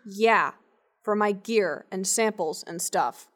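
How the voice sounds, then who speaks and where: A woman's voice: medium pitch, slow pace, fairly bright tone. An actress playing a brash, sarcastic young woman scientist in an audio drama, slangy, sweary and defensive. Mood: breezy, defensive. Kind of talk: audio drama acting, naturalistic banter.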